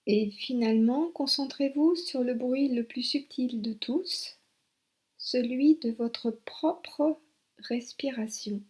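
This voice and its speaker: A woman guiding a yoga relaxation meditation as an instructor, giving soothing, unhurried instructions with long pauses. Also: sits high. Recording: soft new-age music behind. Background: new-age relaxation music.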